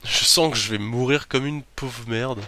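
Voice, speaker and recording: A man giving chatty gameplay commentary as a let's play host, talking to himself and bursting into startled shouts and curses. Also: mid-range voice, unhurried, a little hiss or hum.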